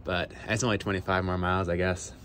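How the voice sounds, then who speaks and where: A man in his thirties vlogging casually from a small sailboat, thinking aloud in a relaxed, rambling way, filmed on a phone at arm's length outdoors. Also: low-pitched, fast. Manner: relaxed, thinking aloud, drifting between topics. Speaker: sailing vlogger. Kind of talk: casual vlog narration. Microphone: phone camera held at arm's length. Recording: wind and water noise.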